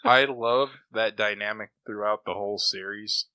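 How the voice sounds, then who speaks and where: A man co-hosting a podcast, chatting casually in an animated, opinionated way. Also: fairly low pitch, normal speed, dry recording. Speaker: podcast co-host. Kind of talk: casual chat about comic books and old radio shows.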